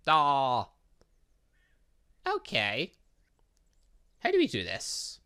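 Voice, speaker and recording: A man giving animated let's play commentary on a video game, reading dialogue aloud and adding sarcastic asides. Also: mid-range voice, drawn-out words, clear, resonant tone. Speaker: gaming channel host.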